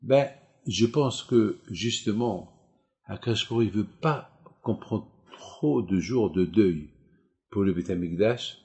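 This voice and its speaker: Rabbi guy preaching, dark mellow voice, keeps repeating and asking where's the problem. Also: on the low side, takes it slowly. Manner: repetitive, emphatic rhetorical questions. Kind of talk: sermon.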